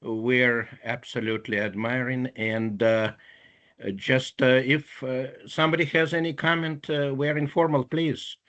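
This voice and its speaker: A man's voice: mid-range voice, fairly even intonation, unhurried, fairly bright tone. A man co-hosts an online meeting over a dull, muffled call line. He speaks hesitantly, stumbling and filling gaps with uhs, and keeps the tone informal. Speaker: co-host of the meeting. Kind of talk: informal moderating. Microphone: video call.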